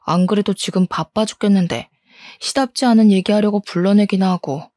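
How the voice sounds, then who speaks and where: A woman's voice: mid-range voice, brisk, warm tone, no room sound, studio quality, lightly acted. A woman voicing an angry cheating husband who blusters, scoffs and shifts the blame. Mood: scornful. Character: angry, defensive cheating husband in his thirties. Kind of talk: audio story dramatization.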